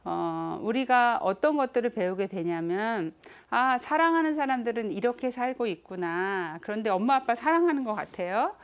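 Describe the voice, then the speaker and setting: A middle-aged woman giving a lecture on nonviolent communication, asking the audience questions and acting out quoted family members with sudden jumps in pitch. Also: expressive, normal speed, few pauses.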